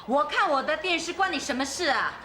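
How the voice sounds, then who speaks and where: An actress playing a jealous wife who shouts accusations and sobs while yelling at her husband in a TV drama. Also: sits high, animated, brisk, over music. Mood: defiant. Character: jealous shrill wife, loud and quarrelsome. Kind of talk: TV drama acting.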